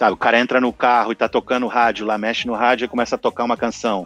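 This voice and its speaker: Recorded in a dry, close sound with no echo, a man speaks at a medium pitch. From Brazil. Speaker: film and game composer. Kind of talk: casual chat.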